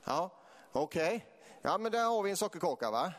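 A man's voice: high voice, sing-song, long reverb tail. A man from Småland giving a church sermon with a Småland accent, telling personal stories with laughter and rising to fervent preaching. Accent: Småland Swedish.

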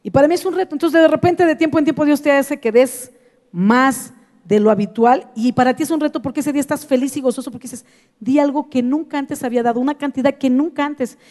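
High-voiced Mexican woman preaching in a hall. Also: fast. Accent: Mexican Spanish. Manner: animated storytelling, acting out her own past reactions. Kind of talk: sermon.

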